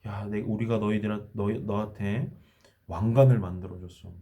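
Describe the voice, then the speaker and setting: A man's voice: on the low side, steady tone, normal speed, dark tone, lightly acted. A man voicing cruel, jeering soldiers taunting a prisoner in a children's Bible story. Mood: mocking. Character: mocking soldiers, adult men, cruel.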